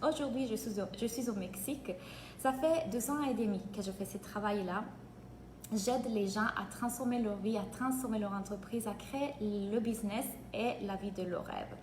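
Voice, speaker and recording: A woman from Italy with an Italian accent, giving an energetic live-streamed coaching session in French and greeting viewers by name. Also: mid-range voice, normal speed, a little hiss or hum. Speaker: business coach. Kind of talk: live-streamed free training. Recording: echoey room, faint ambience.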